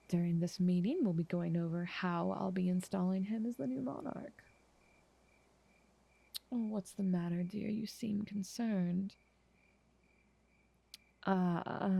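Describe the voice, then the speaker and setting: Woman playing a soft, breathy, motherly ancient vampire. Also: lowish voice, no room sound. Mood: tender, possessive. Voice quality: soft, breathy, half-whispered. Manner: doting, unhurried, genteel. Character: ancient female vampire, motherly, possessive, genteel, calmly powerful. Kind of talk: intimate ASMR roleplay.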